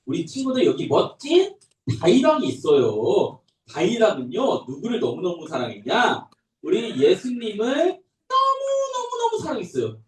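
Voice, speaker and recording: A young adult man who is a pastor, telling a Bible story to toddlers in a sing-song, animated way. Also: high-pitched, normal speed. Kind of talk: children's sermon. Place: church room. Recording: echoey room, voice from a distance.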